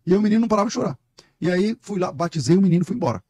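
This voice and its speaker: Middle-aged brazilian pastor, talks super fast and emphatic, husky voice, dry close sound. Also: male voice, sits high, animated, mellow, dry recording. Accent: Brazilian Portuguese. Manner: emphatic, storytelling, preacher-like. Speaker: guest pastor. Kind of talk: casual podcast conversation.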